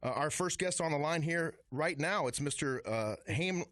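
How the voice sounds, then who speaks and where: A man co-hosting a sports radio talk show with a smooth, announcer-like delivery. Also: on the high side, animated, moderate pace, fairly bright tone, no room sound, studio quality.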